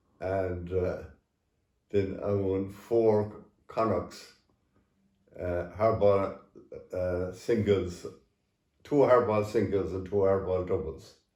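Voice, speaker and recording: In an Irish accent, a man speaks very slowly with long, frequent pauses, a fairly low pitch, fairly even intonation and a dark, mellow tone. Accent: Irish (Galway). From Athenry, Ireland. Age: 80s+. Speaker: veteran athlete. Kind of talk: interview answer.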